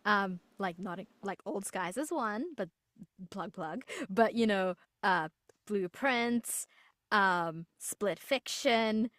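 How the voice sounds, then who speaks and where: A woman's voice: medium pitch, animated, slow pace, fairly bright tone, dry recording, studio quality. A young woman from New Zealand, a voice actor, chatting cheerfully in an interview with frequent restarts. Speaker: voice actor guest. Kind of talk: casual interview chat.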